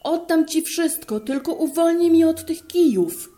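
A woman's voice: very high-pitched, expressive, measured pace, mellow, soft background music, voice pushed up. A woman voicing a greedy male innkeeper in a storybook, crying out shrilly for mercy. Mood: begging.

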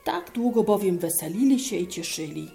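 A woman calmly narrating a fairy tale aloud. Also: mid-range voice, normal speed, creaky, faint music behind.

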